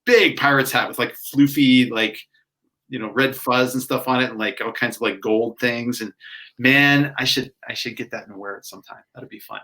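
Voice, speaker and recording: This man co-hosts a small local talk show, chatting casually and drifting through long stories. His voice has a bright, forward edge, and he keeps dropping "like" and "you know" between phrases at a middling pitch. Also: moderate pace. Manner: rambling, filler-heavy storytelling with frequent "like". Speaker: co-host. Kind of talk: casual chat.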